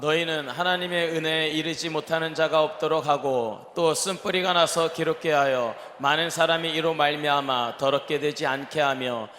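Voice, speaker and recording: A man reading a scripture passage aloud in a solemn, even way during a church service. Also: on the high side. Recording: roomy, echoing hall.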